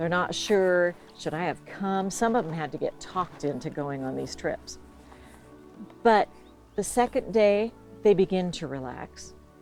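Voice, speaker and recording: Over background music, a woman speaks at a fairly slow pace with lively intonation. She leaves long, frequent pauses. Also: fairly low pitch for a woman. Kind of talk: casual conversation.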